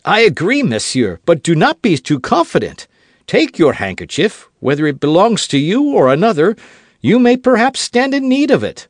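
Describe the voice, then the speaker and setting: A man voicing a hot-headed young Gascon swordsman who talks high and loud, full of pride and quick to take offence. His lines leap up and swoop back down, eager and challenging, read close to a dry mic in an audiobook. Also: wildly swooping pitch, dry recording, heavily acted. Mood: defiant. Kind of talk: audiobook character voice.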